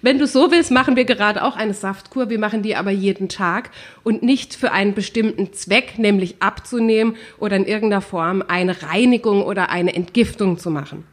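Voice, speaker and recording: A woman's voice: medium pitch, a little fast. Podcast co-host, woman in her thirties, stuffy with a cold, emphatic and opinionated. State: has a head cold, runny nose. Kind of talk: casual Q&A podcast talk.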